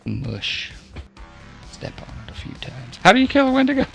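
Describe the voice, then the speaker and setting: A man's voice: very high-pitched, huge pitch swings, normal speed, vocal fry, music in the background. A man chatting casually and jokily as a player in a tabletop role-playing game.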